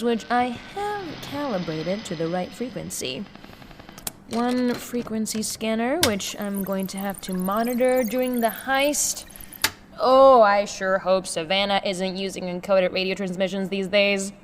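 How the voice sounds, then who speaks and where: A woman playing a brisk, sardonic heist planner who mutters through checklists to herself in an audio drama. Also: medium pitch, lightly acted. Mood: wry, wary. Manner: muttering checklist, sarcastic asides. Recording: reverberant room, clear background noise.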